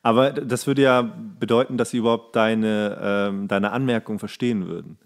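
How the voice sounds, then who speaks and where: A man's voice: lowish voice, steady tone, moderate pace. Casual joking man on a podcast. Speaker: podcast co-host.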